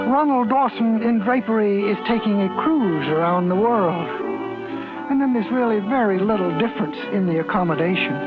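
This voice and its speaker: A man's voice: high voice, close to an everyday voice. A man playing a timid, fussy store clerk who narrates a 1950s radio drama, hesitant and stammering. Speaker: lead actor and narrator. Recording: tinny old radio broadcast with music.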